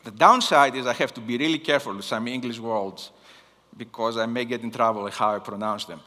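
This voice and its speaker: A man from Greece with a Greek accent, preaching a sermon in a deliberate way and repeating key phrases for emphasis. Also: mid-range voice, pushed and bright. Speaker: guest missions preacher. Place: large hall, speaking to a congregation. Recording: long hall reverb.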